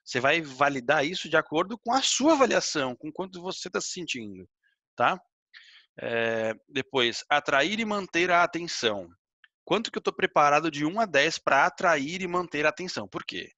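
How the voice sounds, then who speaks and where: A man's voice: fairly high pitch, expressive, normal speed, bright, forceful tone, dry recording, dull audio. A man teaching public speaking in a recorded online lesson, explaining step by step, asking rhetorical questions and checking in with "tá?". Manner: explanatory, asks rhetorical questions, often ends with "tá?". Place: own filming spot, recording videos.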